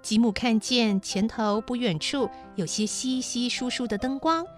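A woman storyteller narrating a children's story in a gentle, expressive reading. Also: fairly high pitch, a little slow, soft background music.

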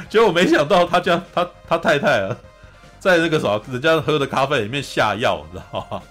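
A male host talks anime casually, voice slightly raised, a little high and at normal speed. Laughing frequently, he retells scenes with lively energy and repeatedly asks "you know?" while soft music plays faintly behind him.

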